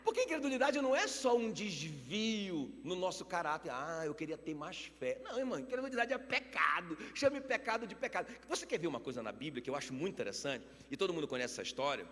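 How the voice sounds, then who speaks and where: A man preaches with a lively, swinging voice that climbs and drops sharply. He keeps throwing questions at the congregation. The sound carries a long reverb from a church hall. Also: high voice, fast talker, hardly any pauses. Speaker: pastor. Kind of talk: sermon.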